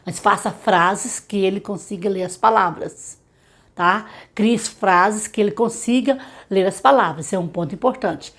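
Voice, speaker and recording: Brazilian woman teacher, middle-aged, medium pitch, talks straight to mothers, slows to sound out words. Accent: Brazilian Portuguese. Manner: warm direct advice to mothers, slow syllable-by-syllable demonstrations. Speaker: literacy teacher. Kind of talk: tutorial talking to parents.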